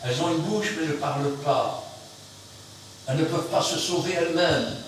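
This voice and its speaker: A man preaching an emphatic sermon, swinging between loud outbursts and quiet asides. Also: a little high, normal speed. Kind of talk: fiery sermon. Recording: very echoey room, mic far off, faint noise.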